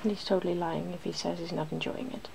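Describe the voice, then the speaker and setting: A woman hosting an ASMR video, talking softly through a hands-on demonstration and slipping now and then into whispers. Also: lowish voice, level tone, fast, low-quality recording. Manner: soft-spoken, slipping into whispers. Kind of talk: ASMR, soft-spoken makeup demonstration. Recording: clear background noise.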